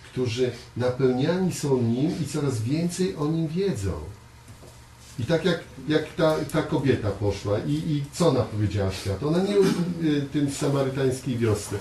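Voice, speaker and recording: A man preaching a conversational sermon to a small congregation, earnest, often repeating words and pausing on fillers. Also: medium pitch, expressive, warm tone. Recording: echoey room, voice from far off, faint hiss.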